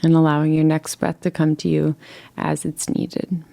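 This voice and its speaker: Low, gravelly-edged woman guiding meditation. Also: little pitch movement. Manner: gentle, soothing, unhurried with long pauses. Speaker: meditation guide. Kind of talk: guided relaxation meditation, live session.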